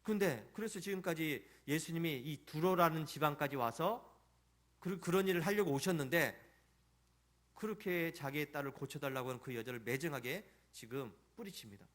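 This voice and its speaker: A man's voice: medium pitch, fairly bright tone. A male pastor preaching a Sunday sermon, retelling a story with questions to the congregation and acted-out quotes. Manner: acts out quoted pleas and sayings. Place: church sanctuary.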